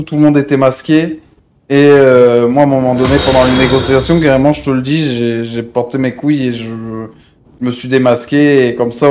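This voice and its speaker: His voice is medium in pitch with a darkish tone. He's a man streaming an online roleplay game, and his improvised banter is casual and slangy, packed with swearing and repeated catchphrases.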